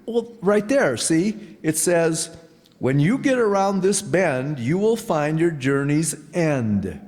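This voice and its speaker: An actor playing a blustering, easily flustered husband in 1940s radio comedy acting, sputtering with exasperation. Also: male voice, fairly high pitch, lively intonation, slow, a little mellow. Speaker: harried husband, new homeowner. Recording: reverberant old radio broadcast with faint noise.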